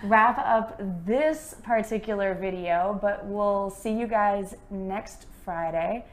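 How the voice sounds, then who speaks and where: A woman's voice: medium pitch, slow. A young American woman, an English teacher, chatting upbeat and casually in a conversation lesson. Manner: upbeat, chatty, many fillers.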